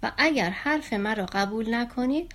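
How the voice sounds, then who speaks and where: A woman's voice: a little high, lively intonation, a bit bright. A woman reading a bold little black fish. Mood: defiant. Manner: firm, scolding.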